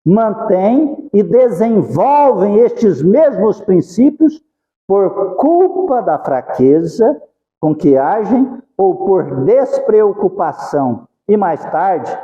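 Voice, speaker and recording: A man giving a religious lecture, preachy and asking the audience questions. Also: high-pitched. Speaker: spiritist lecturer. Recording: dull lo-fi recording.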